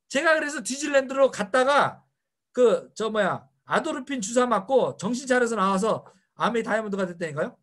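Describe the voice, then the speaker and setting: A man's voice: extremely high pitch, a bit bright. A middle-aged man giving a motivational seminar lecture, firing rhetorical questions at his audience. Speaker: seminar speaker.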